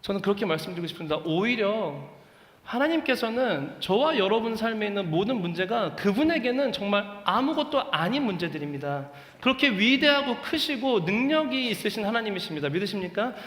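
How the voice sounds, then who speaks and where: A man's voice: sits high, very animated, brisk, fairly bright tone. A man in his thirties preaching a sermon as pastor, earnest and pleading, rising to fervent emphasis. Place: church sanctuary. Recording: echoey church hall with long reverb.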